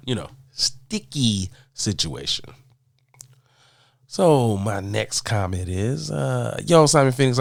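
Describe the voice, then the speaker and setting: A man with a cold, sounding stuffed up, rants casually and emphatically to his viewers, answering their questions and repeating points for effect. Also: mid-range voice. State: congested from a cold. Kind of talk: casual opinion rant.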